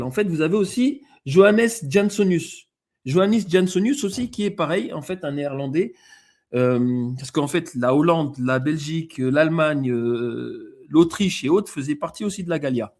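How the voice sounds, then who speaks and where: A man's voice: a little high, moderate pace, darkish tone. A man with an accent, a guest on a show, explaining slides and reading passages aloud, with many fillers and restarts. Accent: non-native-sounding accent in French. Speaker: guest presenter.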